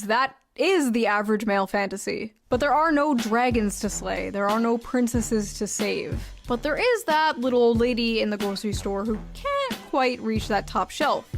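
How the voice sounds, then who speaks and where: Woman doing sardonic sweary video commentary, voice a bit high, quiet music under it. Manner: sardonic, profane.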